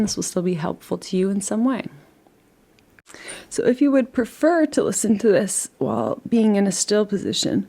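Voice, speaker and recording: A woman leading a guided relaxation meditation in a soothing, unhurried, gently instructive way. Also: mid-range voice, gravelly.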